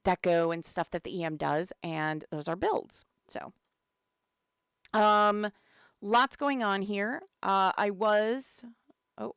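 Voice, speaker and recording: Woman community manager with a cold, laid-back stream host, slow delivery, smooth tone. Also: lowish voice, no echo, studio quality. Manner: chatty and relaxed, many fillers, greets chat. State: has a cold. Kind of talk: casual live-stream commentary.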